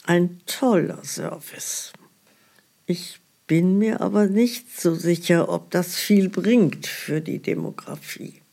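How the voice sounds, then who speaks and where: Zögerliche alte Frau mit rauer Raucherstimme. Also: female voice, fairly low pitch, dark tone, exaggerated voice. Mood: doubtful. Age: older. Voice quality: husky, gravelly smoker's voice. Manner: slow, hesitant, repeating herself. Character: sceptical elderly woman, care-home resident, easily tempted, naive. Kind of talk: naturalistic radio play acting.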